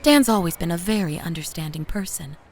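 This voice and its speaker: An actress playing a loving, anxious young mother, narrating her memories in an expressive, conversational way for a scripted audio drama. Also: lowish voice, fairly quick. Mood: fond, relieved. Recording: faint music behind narration.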